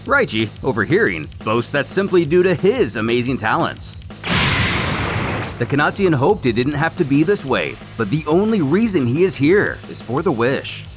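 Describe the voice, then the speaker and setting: A man with a fairly high, sing-song voice narrates a scripted recap of a fan comic series at a moderate pace, in the style of a dramatic retelling, with music behind him.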